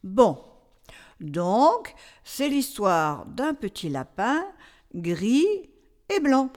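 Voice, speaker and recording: A woman's voice: medium pitch, very animated, drawn-out words, darkish tone. A woman playing a patient, easily flustered storyteller who coaxes a child along in a comic radio dialogue. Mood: mildly exasperated. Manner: hesitant, coaxing, as to a child.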